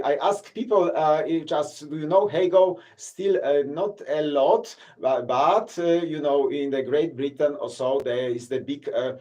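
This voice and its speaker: A Polish tour guide talking casually to his live-stream viewers in accented, halting English full of fillers and restarts. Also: medium pitch, warm tone. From Poland. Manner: halting, many fillers and restarts, non-native grammar. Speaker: city tour guide and vlogger.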